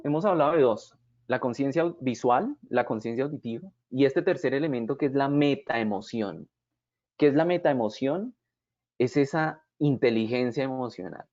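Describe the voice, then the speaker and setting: A man's voice: medium pitch, darkish tone. A man giving a didactic lecture as a communication trainer, often checking in with his audience through rhetorical questions. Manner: explanatory, checks in with frequent rhetorical "¿sí?" and "¿cierto?". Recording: dull, dry lo-fi recording.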